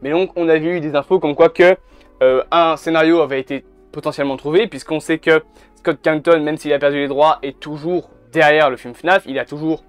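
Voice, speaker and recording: A man's voice: fairly high pitch, fairly even intonation, fairly quick, smooth, no room sound. A man, chatting casually and bluntly to camera, swearing now and then. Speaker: YouTuber. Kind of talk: casual video commentary. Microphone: camera mic. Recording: faint background music.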